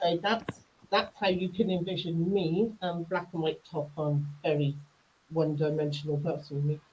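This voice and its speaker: This woman speaks with a British accent. Her voice sits fairly low in pitch. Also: fairly even intonation, moderate pace. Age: 60s. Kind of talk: panel discussion.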